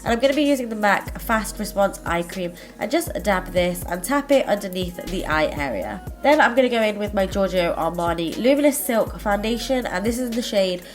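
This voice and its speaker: A woman's voice: medium pitch, expressive, a little fast, hardly any pauses, soft background music. Stuffy-nosed woman chatting through steps. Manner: chatty, friendly, self-correcting. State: congested, stuffy-nosed from a cold. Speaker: makeup tutorial host. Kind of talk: casual step-by-step tutorial narration.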